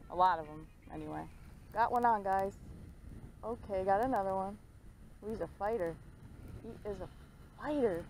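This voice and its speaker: A woman's voice: medium pitch, moderate pace, pauses often, poor audio. A young woman chats eagerly as she fishes from a pond bank, with a mid-range voice. She is recorded outdoors on a head-mounted action camera, with faint background noise. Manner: excited, chatty, laughs often. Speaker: fishing vlogger. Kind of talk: casual commentary while fishing.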